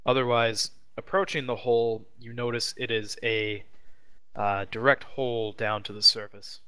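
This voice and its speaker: A man narrating a tabletop role-playing game as game master, improvising haltingly as he searches for words. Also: medium pitch, flat delivery, sharp tone, clear, resonant tone.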